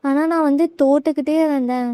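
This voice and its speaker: A woman's voice: high-pitched, steady tone, a little fast, mellow, no echo, lightly acted. A woman voicing a frightened young man in debt, pleading tearfully with his brother in a retold drama.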